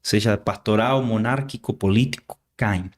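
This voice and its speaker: During an interview, a guest preacher from Argentina delivers his message earnestly yet hesitantly, often repeating words. He's a native Spanish speaker with an Argentine Spanish accent and a lowish voice.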